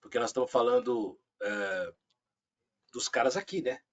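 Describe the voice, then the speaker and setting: A man with a Brazilian Portuguese accent, a voice actor chatting casually as an interview guest, animated and full of asides. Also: mid-range voice, normal speed, lo-fi sound. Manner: animated, frequent fillers and asides.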